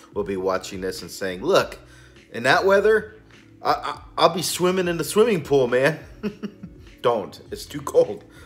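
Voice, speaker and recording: Faint music plays in the background as a man speaks at a moderate pace. He leaves long, frequent pauses, and his loudness swings widely. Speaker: cigar reviewer. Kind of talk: casual vlog chat. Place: home room. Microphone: phone near.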